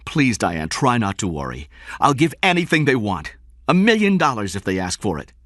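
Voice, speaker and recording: A narrator voicing a tense, forceful businessman father with an urgent, insistent delivery. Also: medium pitch, huge pitch swings, moderate pace, no room sound, studio quality, voice pushed up. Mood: reassuring.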